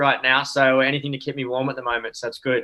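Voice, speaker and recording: Talking at a very fast pace, a man with an Australian accent has a bright, sharp tone. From Australia, Hunter Valley and Sydney. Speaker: professional rugby player. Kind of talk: interview. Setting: live stream.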